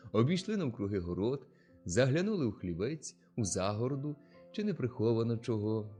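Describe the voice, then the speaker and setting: Low-voiced male audiobook narrator. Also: husky. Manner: expressive, steady storytelling. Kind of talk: audiobook narration of a classic novel.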